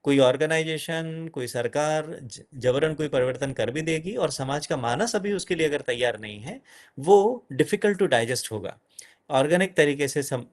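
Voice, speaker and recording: A middle-aged man giving an animated lecture to an audience as a guest speaker, dropping in English phrases. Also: on the high side, a little slow.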